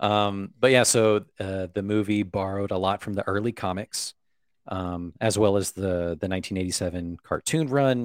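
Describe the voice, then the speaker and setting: A man's plain, everyday voice with ordinary pitch variation, on a very clean recording with a silent background and a dry, close sound with no echo. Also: fairly low pitch for a man, moderate pace. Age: 30s. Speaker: podcast co-host. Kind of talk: casual chat.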